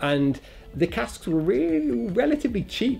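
In a British accent, a man speaks with a dark, mellow tone that is somewhat breathy. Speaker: whisky investment presenter. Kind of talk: casual talk to camera.

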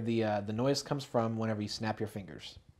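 A man at a very fast pace, with a dark, mellow tone and fairly even intonation. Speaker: gaming channel co-host; podcast co-host. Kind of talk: casual chat. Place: home room.

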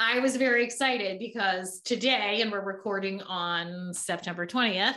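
A woman speaks with a bright, sharp tone. Her pitch varies in an ordinary way. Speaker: podcast host. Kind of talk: casual interview chat. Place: studio.

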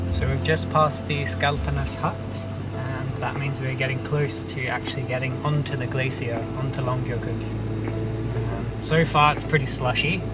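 Loud music plays in the background as a man speaks at a moderate pace, the sound dry with no echo. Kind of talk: casual vlog chat. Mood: calm, awed. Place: car. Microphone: camera far.

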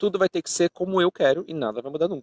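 Against a quiet background with dry sound and no echo, a man talks at a fairly quick pace with lively intonation. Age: 30s. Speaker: youtuber explaining a school text. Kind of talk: reading aloud with commentary. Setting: outdoors in a park. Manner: casual, conversational. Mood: ironic, sarcastic at times. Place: open country. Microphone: phone near.

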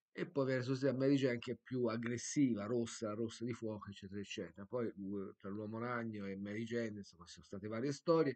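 Against a quiet background, a man talks at a very fast pace. His loudness swings a lot, while his pitch varies in an ordinary way. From Tuscany, Italy (Cetona); Tuscany, Italy. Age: 50s. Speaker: comics video blogger. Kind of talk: casual monologue. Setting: evening solo video recording. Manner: rambling, digressive. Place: home room. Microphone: webcam.

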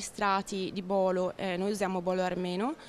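A woman with a Lombard accent is recorded in a dry sound with no echo over light background noise. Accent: non-Tuscan northern Italian (Lombard). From Lombardy, Pavia; Lombardy. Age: young. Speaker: art restorer and painter. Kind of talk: interview. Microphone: handheld.

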